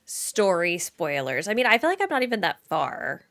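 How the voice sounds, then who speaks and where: A woman talking on a podcast in a rambling, self-deprecating way. Her voice is bright and sharp, and her pitch swings widely. She stays animated throughout. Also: normal speed. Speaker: podcast co-host and streamer. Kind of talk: casual podcast chat.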